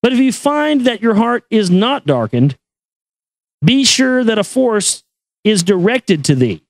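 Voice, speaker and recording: A man giving a solemn, measured reading of an esoteric text in an incantatory, deliberate manner. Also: sits high, very animated, no room sound, poor audio. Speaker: reader and commentator. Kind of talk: solemn recitation of an esoteric text with brief asides.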